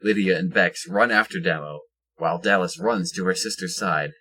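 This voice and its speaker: A man's voice: low-pitched, moderate pace, bright, forceful tone. A man reading scripted present-tense action narration for an audio drama.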